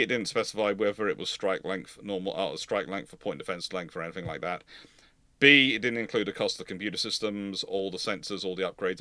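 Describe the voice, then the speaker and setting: A man's voice: fairly low pitch, bright, forceful tone, no echo. A man hosting a history livestream, giving casual expert commentary in an explanatory, digressive and emphatic way.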